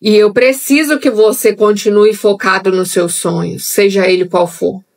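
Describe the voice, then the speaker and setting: A woman's voice: medium pitch, fairly even intonation, moderate pace. A young adult woman leading a live-streamed Bible study in a conversational way, speaking straight to her viewers. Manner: conversational, talks directly to viewers. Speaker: Bible teacher.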